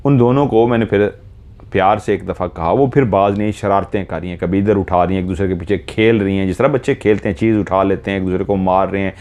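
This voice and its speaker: A man narrating a horror story in the first person, slow and measured, retelling events step by step. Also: low voice, fairly even intonation, a little mellow, lo-fi sound.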